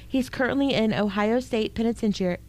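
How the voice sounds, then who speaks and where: A woman's voice: fairly high pitch, fairly quick, darkish tone. A woman co-hosting a true-crime podcast, reacting emotionally and talking casually with fillers. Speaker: podcast co-host.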